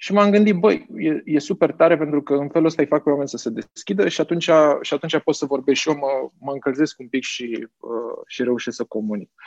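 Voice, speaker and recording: A man with a plain, everyday voice talks at a fairly quick clip, his pitch fairly high and his intonation lively, in a dry, close recording with no echo and a quiet background. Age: 30s. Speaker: writer and marketer. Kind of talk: casual chat.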